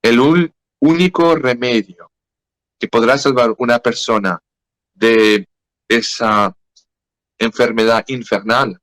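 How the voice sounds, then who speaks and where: A man with a French accent speaking Spanish as a second language in a podcast interview, halting and searching for words. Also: mid-range voice, a bit bright, no room sound, low-quality recording. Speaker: guest.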